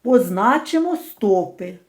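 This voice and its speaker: A woman teaching in a slow, deliberate scripted lesson narration, carefully spelling out syllables. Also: medium pitch, lively intonation, vocal fry, roomy sound.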